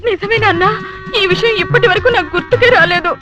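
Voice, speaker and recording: An actress playing a timid, tearful young wife and daughter in a film comedy scene. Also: female voice, very high-pitched, fast, highs cut off, over music.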